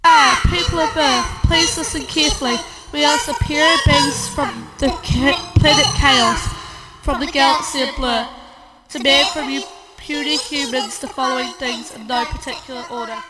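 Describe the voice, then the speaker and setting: A woman's voice: high-pitched, normal speed, voice pushed up, close to an everyday voice. A woman voicing a pompous alien spokesperson who speaks through a translation device. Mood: haughty. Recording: distant, heavy music behind.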